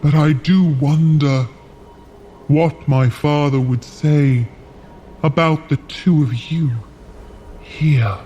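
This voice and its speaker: A man playing a solemn, idealistic, weary frost giant in an audio drama, speaking in grave, measured storytelling. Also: on the high side, steady tone, mellow, highs cut off, slight background noise. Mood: somber, reflective. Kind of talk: scripted audio drama acting.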